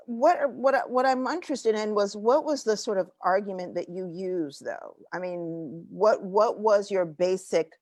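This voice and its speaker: A woman's voice: mid-range voice, unhurried, few pauses, darkish tone, dry recording. A woman moderating a panel discussion, asking long probing questions that stall on repeated words.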